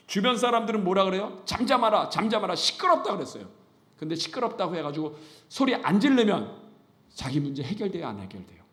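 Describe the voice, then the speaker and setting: A middle-aged man preaches a sermon in a church sanctuary. His voice sits a bit high and swings widely as he jokes, laughs and presses his points. It carries a roomy echo from the hall. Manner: animated preaching, rising to loud emphasis, then dropping to whispers. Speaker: pastor.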